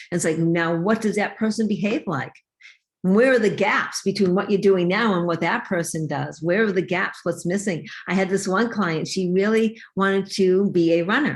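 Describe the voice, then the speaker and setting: A woman speaks in a plain, everyday voice at medium pitch and a moderate pace, with ordinary pitch variation on a very clean recording with a silent background. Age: 60s. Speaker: fitness and weight loss coach. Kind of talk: interview.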